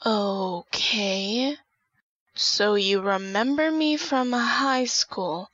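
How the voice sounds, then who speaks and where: A woman's voice: mid-range voice, very slow, fairly bright tone, no room sound. Woman as a bored, annoyed twenty-something, dry sound. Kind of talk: hobby audio drama acting. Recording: dry, slightly dull sound.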